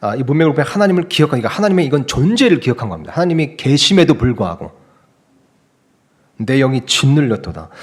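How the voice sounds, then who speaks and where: Very wide pitch swings and vocal fry mark this man's fairly high voice as he talks at a very fast pace. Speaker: pastor. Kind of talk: sermon.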